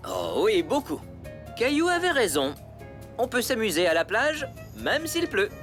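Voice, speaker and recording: A man's voice: high voice, wildly swooping pitch, measured pace, fairly bright tone, heavily acted. A man voicing a good-natured, playfully theatrical young father in a children's cartoon. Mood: content. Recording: music behind the voice.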